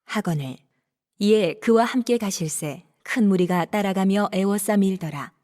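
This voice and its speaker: A woman narrating scripture in a steady, measured reading. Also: medium pitch.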